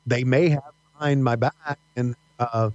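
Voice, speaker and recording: Middle-aged male guest with a faint Southern accent, halting storyteller, dry, slightly muffled audio. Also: mid-range voice, fairly even intonation, darkish tone, no echo. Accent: slight Southern American. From Virginia mountains. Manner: halting, many fillers and restarts. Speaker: podcast guest, wrestling announcer. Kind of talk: casual interview storytelling. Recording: dull dry podcast audio.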